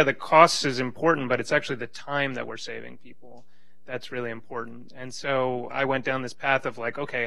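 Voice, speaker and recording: A man's voice: medium pitch, sharp tone, no echo. A man speaking as a panelist, giving conversational remarks and often restarting his phrases.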